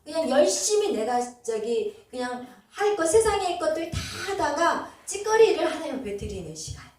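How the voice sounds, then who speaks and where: Lady pastor explaining scripture, lots of "uh" pauses, booming echo, mic far away. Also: big pitch swings, a little mellow. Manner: explanatory, addresses congregation directly, frequent "어" fillers. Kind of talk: Bible teaching sermon. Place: church sanctuary. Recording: very echoey hall, voice from far off.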